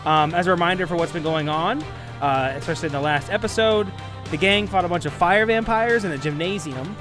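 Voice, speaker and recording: A man's voice: high-pitched, fairly quick. A man hosting a podcast, giving a casual, conversational intro and recap. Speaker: podcast host. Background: music.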